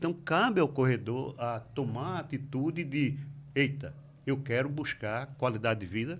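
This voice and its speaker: The speaker's somewhat breathy voice moves at a moderate pace with ordinary pitch variation. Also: man, fairly high pitch for a man. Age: 70s. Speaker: amateur runner, running group leader. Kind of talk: radio talk show interview.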